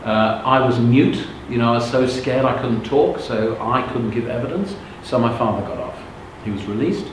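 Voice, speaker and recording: With few pauses, a middle-aged man from England, whose native tongue is Russian, speaks at a moderate pace in a medium-pitched voice. As a motivational speaker, he relates his life story to a live audience in a frank, conversational style, often checking listeners are with him. Heavy echo and background noise mark the recording.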